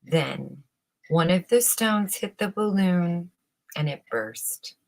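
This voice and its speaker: A woman narrates a children's story at a very unhurried pace. Her voice sits a little low, and she shapes her phrases with dramatic emphasis, as in a bedtime read-aloud. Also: expressive, vocal fry. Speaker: storybook reader.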